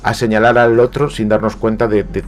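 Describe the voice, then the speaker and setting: A man's voice: on the low side, flat delivery, fairly quick, soft background music. A man from Galicia with a Spanish accent, speaking reflectively as a guest on a radio interview, often hesitating and repeating words. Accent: Spanish, from Spain. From Galicia, Spain. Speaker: guest writer. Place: radio studio.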